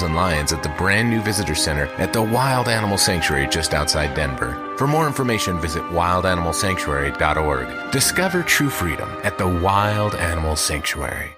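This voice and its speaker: Very deep male promo voice, inviting, music loud underneath. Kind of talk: radio ad read. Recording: ad read over loud music.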